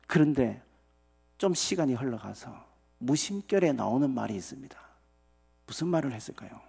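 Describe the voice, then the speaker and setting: Gravelly-voiced pastor telling a story. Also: male voice, medium pitch, moderate pace. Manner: animated storytelling with rhetorical questions to the congregation. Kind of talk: storytelling sermon. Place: church sanctuary.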